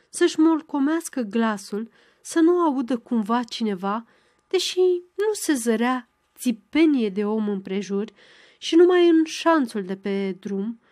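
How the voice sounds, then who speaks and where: A woman narrating a novel in a measured storytelling delivery. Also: a little high, dry recording, clean studio sound. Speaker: audiobook narrator. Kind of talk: scripted literary narration.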